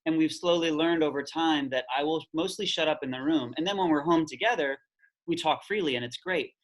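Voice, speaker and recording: A man's voice: fairly high pitch, rough recording. A man who is a playwright, chatting casually on a video call and poking fun at himself. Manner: rapid, self-deprecating, quotes himself. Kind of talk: casual interview chat.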